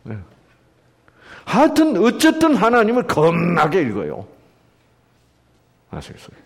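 A man delivering a sermon to his congregation. His pitch sits a little high and swings widely as he acts out quoted lines and asks his listeners questions. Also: huge pitch swings, measured pace. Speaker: pastor.

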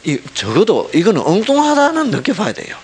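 A man preaching a sermon, asking the congregation constant rhetorical questions and dropping from loud emphasis to hushed asides. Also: sits high, huge pitch swings, fairly quick, slight background noise. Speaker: pastor.

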